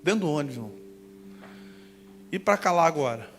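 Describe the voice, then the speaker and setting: Emphatic Brazilian pastor in a reverberant hall. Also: male voice, fairly high pitch, lively intonation, a little fast, a little hiss or hum. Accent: Brazilian Portuguese. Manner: emphatic, swings from soft asides to shouting. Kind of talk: Pentecostal sermon. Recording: long reverb with faint music.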